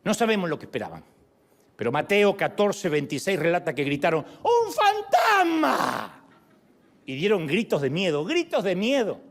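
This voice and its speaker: A middle-aged man preaching a sermon in a joking, lively way, acting out voices. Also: on the high side, brisk, a little hiss or hum. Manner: animated, joking, acts out voices.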